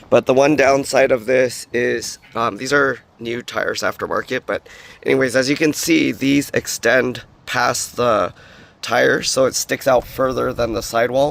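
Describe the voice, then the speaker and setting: A man with a medium pitch talks at a fairly slow pace in a monotone, flat intonation with vocal fry. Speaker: product reviewer and DIY repair YouTuber. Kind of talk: unboxing and installation tutorial. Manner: casual, with fillers.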